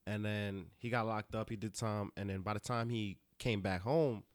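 A man's voice: lowish voice, steady tone, normal speed, no room sound. Slangy young man telling stories, dry mic. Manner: loose storytelling with heavy slang and fillers. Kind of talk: casual chat.

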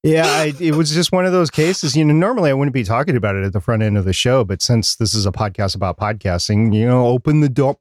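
A man's voice: mid-range voice, no room sound, studio quality. A middle-aged man co-hosting a podcast about podcasting, chatting casually and rambling with frequent restarts. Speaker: podcast co-host.

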